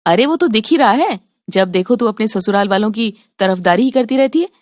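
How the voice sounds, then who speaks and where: A woman's voice: medium pitch, animated, a little fast, no echo, lightly acted. Woman playing a sulky middle-aged mom, taunting, reproachful, dry sound.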